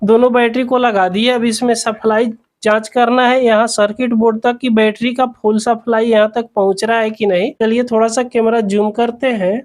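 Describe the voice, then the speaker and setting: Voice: medium pitch, level tone, normal speed. A person explaining a repair step by step in an instructional, repetitive way, as the host of a tutorial.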